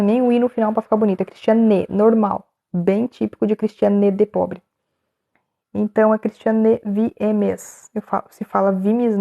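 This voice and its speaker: A woman's voice: mid-range voice, gravelly, highs cut off. A woman chatting casually on a live stream, laughing often and reading viewers' names from the chat.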